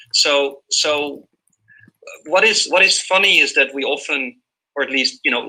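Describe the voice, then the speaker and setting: A man talks at a moderate pace with a Dutch accent. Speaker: linguistics lecturer. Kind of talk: lecture. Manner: hesitant, many fillers and repetitions; casual, animated.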